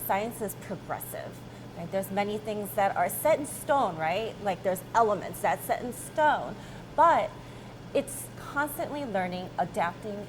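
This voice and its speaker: A woman in her late thirties, born in South Korea, chatting easily and laughing as an interview guest about her work as a chemist. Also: mid-range voice. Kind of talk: casual interview. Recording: noisy background.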